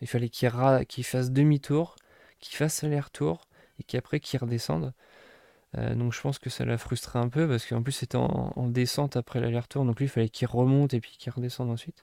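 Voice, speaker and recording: A man's very fast delivery at medium pitch, dark and mellow in tone, with fairly even intonation, a dry, close sound with no echo and a very clean recording over a silent background. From France, Normandy. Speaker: PhD student and trail runner. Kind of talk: casual interview storytelling.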